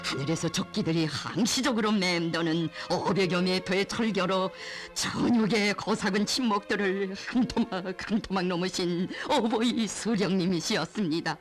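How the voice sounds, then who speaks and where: With music behind her, a woman with a North Korean accent reads scripted propaganda documentary narration. Her mid-range voice moves at a moderate pace in a solemn, reverent, emotive, declamatory style.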